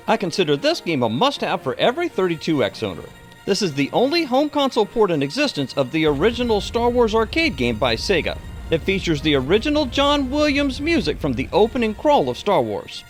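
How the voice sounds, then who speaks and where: Male reviewer, middle-aged, very animated and enthusiastic scripted delivery, slightly high voice, over background music. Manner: enthusiastic presenter. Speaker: video game reviewer and presenter. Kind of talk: scripted video review narration.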